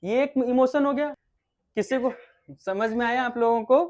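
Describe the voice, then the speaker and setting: A man teaching an online acting class, explaining at a relaxed pace with many fillers and repeats. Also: very high voice, normal speed.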